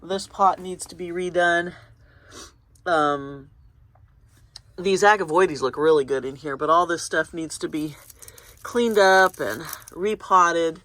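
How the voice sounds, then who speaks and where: She speaks slowly and pauses often, her low-leaning voice fairly bright but congested and sniffly. As a garden vlogger, she walks through her home garden early in the morning, casually pointing things out in a meandering way.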